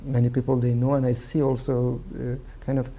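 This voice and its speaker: A man from Iran with a Persian accent, a filmmaker answering interview questions in a thoughtful, halting way with many fillers. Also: mid-range voice, monotone, dark tone. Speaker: filmmaker guest.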